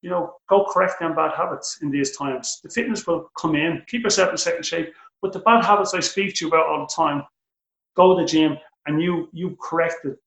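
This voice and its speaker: A middle-aged man with an Irish accent, a boxing coach answering interview questions, animated and restarting his sentences often. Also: on the high side, a little fast, vocal fry, roomy sound, low-quality recording. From Ireland. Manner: animated, repeats words when starting sentences.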